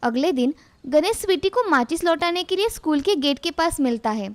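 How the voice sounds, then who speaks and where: A woman narrating a moral cartoon story in a plain, steady storybook manner. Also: high-pitched, moderate pace.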